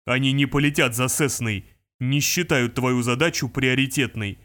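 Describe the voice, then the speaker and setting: A man voicing a calm, measured adult bodyguard heard over a radio receiver. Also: medium pitch. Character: calm grown male bodyguard. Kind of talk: audiobook character voice.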